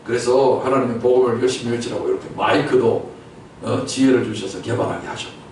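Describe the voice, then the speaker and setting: A man's voice: medium pitch, quick pace. Male pastor preaching in an echoey church. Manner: emphatic preaching with questions to the congregation; rhetorical repetition and sudden loud outbursts. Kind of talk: sermon. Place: church sanctuary. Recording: echoey church from a distance, faint noise.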